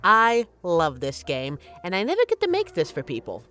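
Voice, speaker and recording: A woman's voice: on the low side, wildly swooping pitch, moderate pace, a bit bright, soft background music. A woman playing a flirty, teasing but caring bartender in an intimate, conversational audio roleplay. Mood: playful, proud. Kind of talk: intimate scripted roleplay, ASMR-like.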